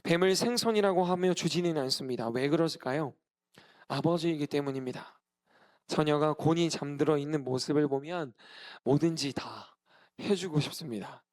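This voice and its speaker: A man's voice: a little high, normal speed, darkish tone. A male pastor in his thirties giving a sermon, earnest and emphatic, repeating key phrases. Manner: earnest preaching with emphatic repetition.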